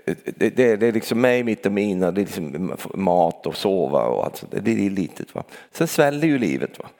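An older man gives a chatty sermon in an animated, swinging voice that rises and falls a lot. He keeps tossing out little questioning tags for agreement and laughs easily. His voice carries a long reverb, as if from a church hall. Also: lowish voice. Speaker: preacher. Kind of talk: conversational sermon.

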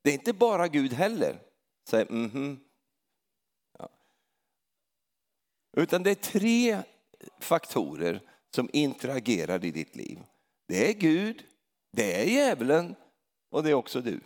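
A middle-aged man giving a sermon like a story told to friends, tagging "va?" onto his sentences and stumbling through restarts before climbing to loud, emphatic peaks. His pitch swings widely from low mutters to high exclamations. His voice carries the long reverb of a large hall. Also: wildly swooping pitch, pauses often. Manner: conversational storytelling, tags lines with a questioning "va?". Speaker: preacher.

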